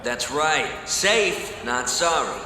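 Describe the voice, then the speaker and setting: A man's voice: mid-range voice, lively intonation, takes it slowly. An actor playing a brazen, charming showman who emcees illegal scooter races in bombastic patter to a crowd in an audio drama. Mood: grand hype. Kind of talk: acted audio drama, race emcee speech. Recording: echoey, distant announcer over noisy crowd.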